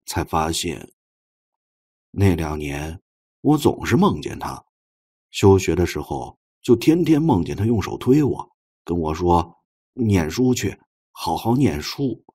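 一名男播讲者在有声小说里扮演一个腼腆笨拙、真诚而怀着哀思的年轻男人，说话磕磕绊绊。. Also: male voice, deep voice, darkish tone, husky, full character voice. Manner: halting, stammering, awkward. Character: shy, clumsy, earnest young man, tenderly grieving. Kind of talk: audiobook character dialogue.

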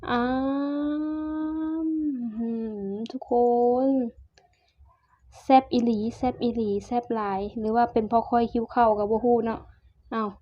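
A young woman with an Isan accent, chatting casually to viewers in a cooking and eating vlog, warmly calling them family and slipping into dialect. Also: fairly high pitch, flat delivery, normal speed, no echo. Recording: dull, dry sound.

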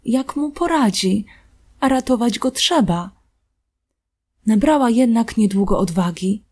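A woman reading a fairy tale aloud in a calm, gentle narrating voice. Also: a little high, a little slow. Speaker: storybook reader.

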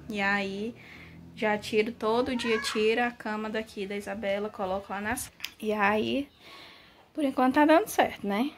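A young Brazilian woman with a Goiás accent talks casually into a phone held at arm's length. She strolls from room to room while tidying, and her voice has a gravelly fry. Faint noise sits under her voice in the small tiled rooms. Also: mid-range voice. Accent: Goiás Brazilian Portuguese. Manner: chatty, walking through rooms while tidying. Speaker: vlogger. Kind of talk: casual home vlog, talking to camera. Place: small tiled house, indoors. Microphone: handheld phone at arm's length.

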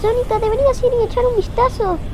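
A woman's voice: extremely high pitch, steady tone, fast, crowd noise. A woman voicing a small, cute, earnest fox boy with a childlike manner in a fan dub of game cutscenes. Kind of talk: Latin American fandub of game cutscenes.

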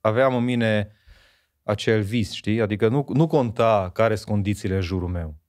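A Romanian man in his forties from Miercurea Ciuc, a former speed skater, appears as a guest on a podcast. His voice is lowish with a darkish tone, and he reminisces thoughtfully, often ending sentences with a questioning "you know?".

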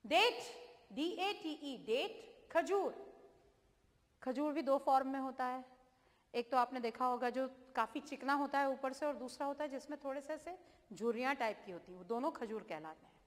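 A woman's voice: sits high, normal speed, big-room sound. A woman teacher, naming fruits, spelling each one out letter by letter and asking her students questions.

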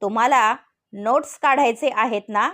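A woman voicing a strict middle-aged male professor who speaks in a stern, deadpan way. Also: on the high side, normal speed.

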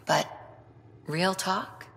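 An actress playing a loyal, self-doubting human lieutenant in a video game, earnest and steady. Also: female voice, fairly low pitch, very slow, vocal fry, faint music behind, full character voice.

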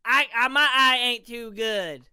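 A woman's voice: on the high side, measured pace, sharp tone. A woman voicing a childlike, clingy animatronic robot, who talks about themself in the third person in an improvised roleplay. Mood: eager, playful.

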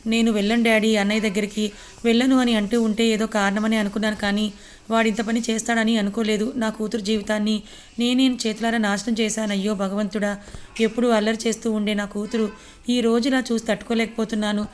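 Woman voicing an anguished middle-aged father, pleading, even flat tone. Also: medium pitch, brisk, natural voice. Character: distraught middle-aged father, wracked with guilt.

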